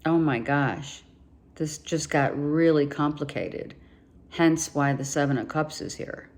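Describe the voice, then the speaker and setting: A woman giving a monthly tarot reading, emphatic and repeating herself, her voice going hoarse with some coughing. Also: low-pitched, unhurried, darkish tone. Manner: emphatic, repeats herself, talks straight to the viewer. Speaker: tarot reader.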